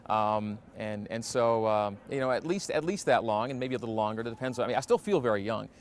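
A man in his forties, a radio announcer, answering interview questions in a relaxed, reflective way with many fillers, in an empty indoor arena. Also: mid-range voice, fast, a little hiss or hum. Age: 40s.

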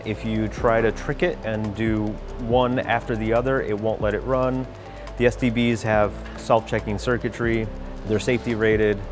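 Man, lively explainer, factory floor, lapel mic, music underneath. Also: medium pitch. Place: large factory floor indoors. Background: background music.

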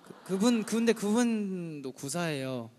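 A man's voice: high voice, lively intonation, measured pace, a little mellow, a little hiss or hum. A man in his twenties, an idol guest, telling rambling anecdotes in casual talk on stage with a handheld mic. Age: 20s. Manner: rambling storyteller, laughs often. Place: large concert hall stage. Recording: live hall reverb.

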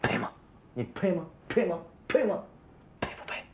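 A man's voice: high-pitched, big pitch swings, normal speed, a little hiss or hum. A man in his thirties playing a harried, placating husband in a TV drama, stammering and coaxing in a natural style. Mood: exasperated. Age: 30s. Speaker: actor in a television family drama. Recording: music behind the dialogue.

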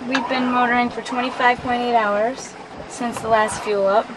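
A young adult woman casually narrating her own video diary on a sailboat, recorded on a handheld camera amid loud boat noise. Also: a little high, fairly even intonation, moderate pace. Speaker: solo sailor narrating life aboard. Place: aboard a small sailboat.

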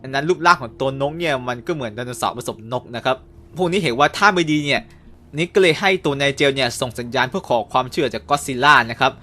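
A young man casually recapping and reviewing a cartoon episode, chatty with quick asides. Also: medium pitch, pushed and bright.

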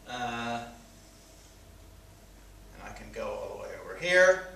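A man's voice: mid-range voice, pushed and bright, a little hiss or hum. A man teaching a sentence-diagramming lesson, thinking aloud with frequent fillers as he works at a board. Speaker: grammar teacher. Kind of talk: whiteboard grammar lesson. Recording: echoey room, mic far off.

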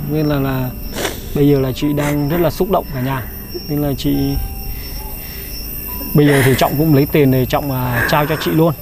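A man hosting a vlog, briskly reading out a list of donors and coaxing and reassuring the person he is helping. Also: fairly high pitch. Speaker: vlog host handing out charity money. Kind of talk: reading a donor list, then casual talk. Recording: light background music.

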